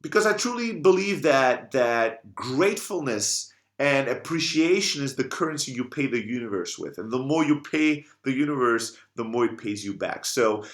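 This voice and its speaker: A man's voice: medium pitch, expressive, moderate pace, few pauses. A man answering audience questions in a casual video monologue, blunt and emphatic, with frequent swearing. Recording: echoey room.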